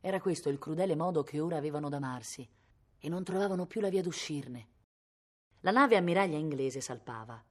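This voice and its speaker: A woman's voice: sits low, animated, brisk. A woman from Italy reading a novel aloud expressively, her voice rising with the drama. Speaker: reader.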